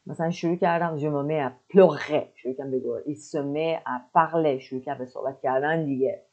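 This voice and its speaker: A woman's voice: sits low, fairly even intonation, dark tone. Woman teaching French, dull lo-fi sound. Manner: explains French words in Persian, repeating French phrases slowly and carefully. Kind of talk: explaining a language lesson.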